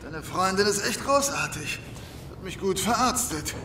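An actor playing a bloodthirsty, mocking gang thug with a sneering, theatrical manner in an audio drama. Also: male voice, expressive, moderate pace, over music. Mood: vengeful. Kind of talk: German audio drama acting. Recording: distant roomy echo, clear rumbling noise.

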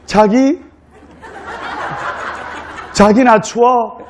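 A man's voice: very high-pitched, fairly even intonation, slight background noise, full character voice. A man putting on a cooing young Seoul bride. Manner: cooing, drawn-out pleading.

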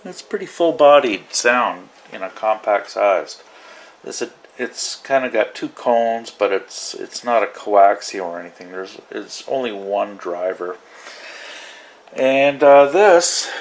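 A man talks casually through a hobby demonstration at a slow pace. He rambles a little, thinking aloud as he goes. It has the loose, informal feel of a home vlog. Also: on the low side, lively intonation. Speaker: radio hobbyist demonstrating receivers. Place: small indoor radio desk.

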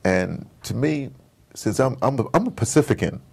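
A man's voice: medium pitch, expressive, moderate pace, creaky, darkish tone, slightly rough. A middle-aged or older man in casual conversation as an interview guest, emphatic and rambling with slangy turns of phrase. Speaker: interview guest, audio drama producer.

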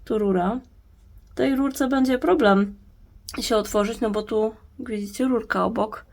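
A woman with a slightly high voice gives a relaxed plant-care vlog from her indoor grow box. She chats to her viewers and coos tenderly at each plant as she checks it. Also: measured pace. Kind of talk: casual talk while tending plants.

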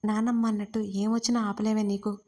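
A woman's voice: medium pitch, level tone, fairly quick, mellow, natural voice. A woman narrator voicing an affectionate young husband who teases his wife in an audio story. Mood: playful. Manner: playful and affectionate.

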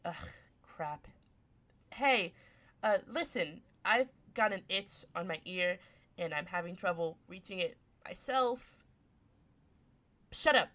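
A woman's voice: lowish voice, animated, takes it slowly, long pauses, a bit bright. A voice actress playing a grumpy tsundere young woman turned half cat, snappy, sarcastic and easily flustered, in a one-sided ASMR roleplay. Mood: embarrassed, teasing. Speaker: voice actor.

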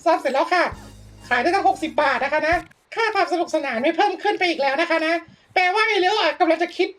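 A woman's voice: very high voice, animated, quick pace, fairly bright tone, faint music behind. A young woman streamer giving chatty, polite gameplay commentary, laughing often and reacting with exaggerated dismay. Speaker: VTuber streamer.

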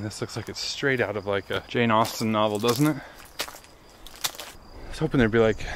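Excited guy in his 30s wandering old ruins, lapel mic outside, faint hiss behind. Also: medium pitch. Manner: excited, chatty, wondering aloud. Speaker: travel vlogger. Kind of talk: casual walking commentary. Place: outdoors in overgrown grounds of a ruined palace.

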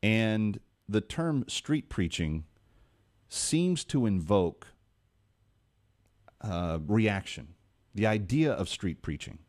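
A man's voice: on the low side, slow, pauses often. Bald man hosting a call-in radio show. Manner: earnest, animated hand gestures, many restarts. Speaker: radio talk show host. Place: radio studio. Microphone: studio boom mic.

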